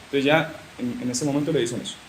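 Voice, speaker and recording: A man's voice: mid-range voice, fast talker. Uruguayan man teaching scripture, echoey room. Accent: Uruguayan Spanish. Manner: lively storyteller with joking asides. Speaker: religious formation speaker. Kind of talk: teaching talk retelling scripture. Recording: echoey room with faint hiss.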